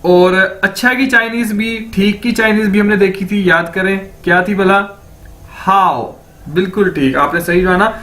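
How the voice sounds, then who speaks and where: A man's voice: high voice, fairly even intonation, normal speed, fairly bright tone. A man with a Pakistani Urdu accent teaching a language lesson, patiently repeating each word and checking in with his viewers.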